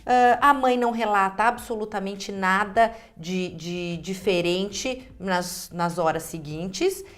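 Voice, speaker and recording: A woman's voice: medium pitch, slow pace. A Brazilian woman speaking as a guest dentist, explaining clinical practice conversationally and restating phrases for emphasis.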